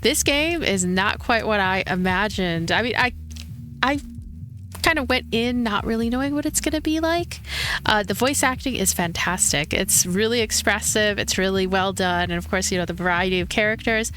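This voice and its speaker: A woman's voice: medium pitch, moderate pace, a bit bright, slight background noise. A woman hosting a let's play, commenting casually and tentatively as she thinks aloud. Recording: faint game music behind.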